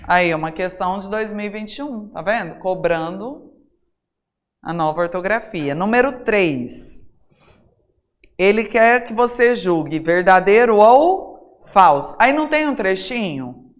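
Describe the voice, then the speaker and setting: A Brazilian woman teaching an exam-prep Portuguese lesson, talking straight to her students with many rhetorical questions and slowly stressing key words. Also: medium pitch. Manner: stresses single words by saying them slowly and loudly. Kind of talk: recorded classroom lesson.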